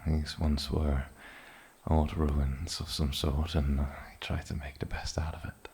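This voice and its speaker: An eccentric, age-old island demon, acted by a man speaks in an extremely deep, gravelly murmur. He takes his time, musing and coaxing with old-fashioned politeness. It is a soft-spoken fantasy ASMR roleplay with faint ambient noise behind the voice. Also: little pitch movement, slow pace, full character voice. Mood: musing, curious. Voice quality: soft, breathy low voice with gravelly creak. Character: eccentric, lonely, ancient male island demon.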